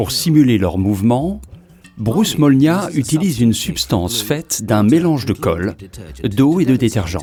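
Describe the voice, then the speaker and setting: Music plays in the background as a man speaks at a fairly slow pace. His medium-pitched voice has very wide pitch swings. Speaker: voice actor. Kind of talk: documentary narration. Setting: home studio.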